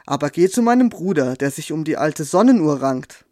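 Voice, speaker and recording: A man voicing a proud male white rose bush in a storybook tale, speaking slowly and loudly. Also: on the high side, very animated, dry recording, studio quality. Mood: stately. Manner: slow, loud, stately.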